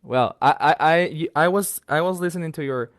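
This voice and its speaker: A man's voice: a little high, a little fast, no echo, clean studio sound. A man in his twenties from Guatemala who teaches English, speaking with a Guatemalan Spanish accent as a friendly, upbeat guest on a live stream. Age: 20s. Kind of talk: casual live-stream chat.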